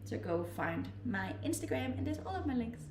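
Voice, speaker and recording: A woman's voice: sits high, sing-song, brisk, reverberant, noisy background. A young woman with a Danish accent, chatting casually with viewers on her stream and laughing easily. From Denmark. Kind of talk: casual chat reading viewer questions. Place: rented house, indoors.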